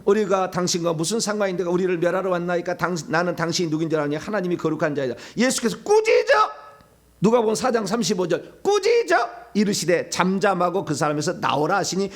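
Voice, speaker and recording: A middle-aged male pastor preaches a sermon animatedly, acting out the pleas of demons and shouting commands. His voice is high and animated, and he speaks fast.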